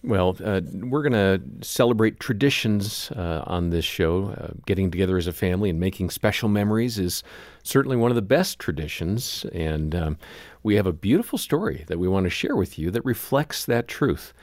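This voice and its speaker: A man's voice: low-pitched, animated, normal speed, a little mellow, no echo, clean studio sound. A mature man co-hosting a radio show in a conversational broadcast style. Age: middle-aged or older.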